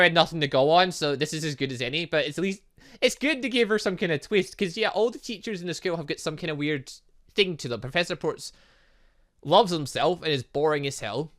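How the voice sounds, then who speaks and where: A man doing casual, rambling and excitable commentary as he plays a story game and reads its text aloud. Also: a little high. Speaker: gaming channel host.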